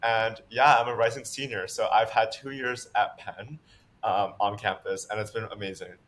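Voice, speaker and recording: A young man in his twenties from Hong Kong, a guest talking about college swimming in a relaxed, thoughtful way. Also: on the low side, moderate pace. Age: 20s. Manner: relaxed, thoughtful, uses "like" often. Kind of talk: casual interview.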